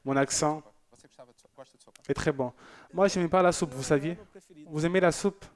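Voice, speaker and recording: Hosting a church TV program, a man reads out viewer messages in a chatty, joking manner full of loose asides. It's casual broadcast chat, delivered at a moderate pace in a voice on the high side.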